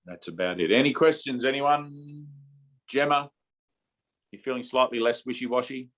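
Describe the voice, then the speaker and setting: A man gives a relaxed spiritual talk over a video call, his voice pitched in an ordinary middle range. He talks informally and keeps checking in with his listeners. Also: normal speed. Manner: informal, repeats "okay?" and "right?" to check in. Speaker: spiritual teacher leading a satsang.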